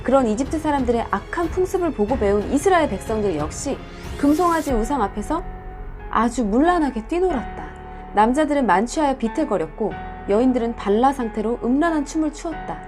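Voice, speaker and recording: A woman storyteller and host telling Bible stories in a dramatic, expressive way. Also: high voice, brisk, music in the background. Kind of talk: dramatic Bible storytelling narration with casual asides.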